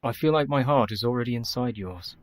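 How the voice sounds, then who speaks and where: A man playing an earnest young doctor, measured and devoted, in a radio play. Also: mid-range voice, no echo, lightly acted. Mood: tender.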